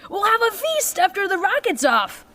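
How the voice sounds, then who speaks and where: A woman's voice: extremely high pitch, sing-song, moderate pace, sharp tone, full character voice. A woman playing an eager, sarcastic tinkerer with reckless schemes in a sci-fi audio drama, speaking in a cheeky, matter-of-fact way. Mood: cheeky, excited.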